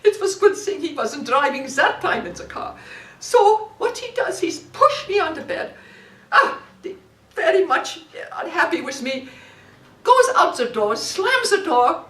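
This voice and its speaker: A high-pitched widow, acted by a woman, tells her story in broken, halting English and keeps repeating herself while she searches for words. The voice sits back from the mic in a roomy, echoing space with a faint hiss underneath. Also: very animated, fairly bright tone, heavily acted. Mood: agitated. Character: German war widow, emotional, broken English. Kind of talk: dramatic monologue. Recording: echoey room, distant mic, faint hiss.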